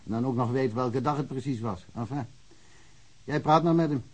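An actor playing a chatty, blunt male small-town police officer in a radio drama, with a husky voice. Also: mid-range voice, moderate pace, lightly acted. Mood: gossipy. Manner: talkative and blunt.

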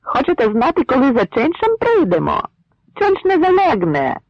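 A boisterous Cossack hurls mocking taunts in long, drawn-out shouts, voiced by a man. The voice climbs high and swings widely, with a gravelly edge. The recording is dull and dry. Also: wildly swooping pitch, no echo, full character voice. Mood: jeering.

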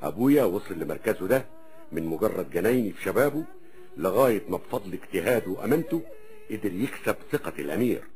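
A man's voice: sits low, big pitch swings, quick pace, a little mellow. A man with an Egyptian accent playing a proud, brusque military officer in a radio drama. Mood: indignant, proud.

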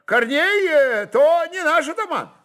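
A man voicing a talkative, impudent old Cossack who brags in a drawling, excitable way in an audio story. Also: very high-pitched, unhurried, voice pushed up, heavily acted. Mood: cheeky bragging.

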